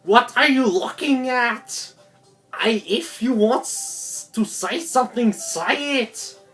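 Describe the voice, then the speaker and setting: A woman voicing a small, moody high-school girl in a visual novel, brash and snappy, drawing out her words. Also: slow, fairly bright tone, faint music behind. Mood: annoyed.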